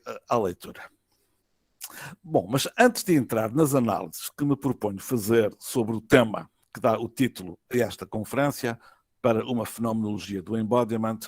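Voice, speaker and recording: A man with a European Portuguese accent reads an academic lecture in a formal, measured way, phrase by phrase, with some hesitations. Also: medium pitch, no echo, studio quality. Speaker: university professor, conference lecturer. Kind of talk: academic lecture read from a prepared text. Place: online web conference.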